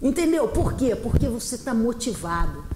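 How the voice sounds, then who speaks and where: A woman's voice: on the high side, moderate pace, echoey room, music in the background. A middle-aged woman with a Carioca Brazilian accent, an English teacher chatting as a guest and acting out dialogue with laughs. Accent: Carioca Brazilian Portuguese. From Rio de Janeiro, Brazil. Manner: expressive, acts out quoted dialogue, laughs often. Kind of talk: animated interview chat.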